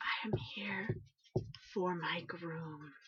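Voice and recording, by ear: Soft-spoken and in a middle pitch, the voice is a put-on character voice.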